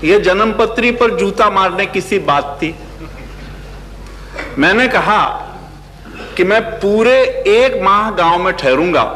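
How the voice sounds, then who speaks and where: A man speaks in a raised, projected voice that sits high in pitch. Long, frequent pauses break his speech, and background noise is noticeable. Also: ordinary pitch variation, very even loudness. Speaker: satirist. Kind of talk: satire reading. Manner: humorous.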